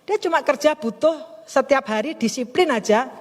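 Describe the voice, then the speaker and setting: A middle-aged woman pastor preaching a sermon in a chatty, animated storytelling way, laughing often. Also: sits high, normal speed. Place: church service in a hotel hall. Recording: long hall reverb.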